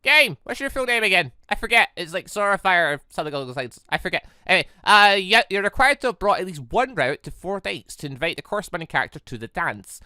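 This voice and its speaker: Bright and forceful, this gaming video host's voice swings through very lively pitch as he talks fast with few pauses. His casual game commentary rambles, full of tangents and self-corrections. The recording is dry, with hardly any room sound.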